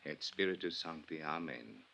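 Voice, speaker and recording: An actor playing a solemn Catholic priest murmuring a liturgical prayer in a 1950s radio drama. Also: male voice, a bass voice, animated, moderate pace, vocal fry, pushed and bright, full character voice. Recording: noisy, dull old radio recording.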